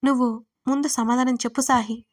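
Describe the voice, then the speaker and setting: Woman narrator as a chatty, teasing young friend, loud and lively, high voice. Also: fairly quick, close to an everyday voice.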